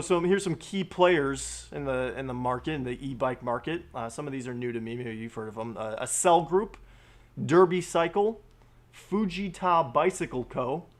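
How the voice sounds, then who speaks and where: Man reading news aloud, halting. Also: on the high side, expressive. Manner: halting, many fillers and restarts while reading aloud. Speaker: live stream host. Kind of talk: reading and discussing news articles.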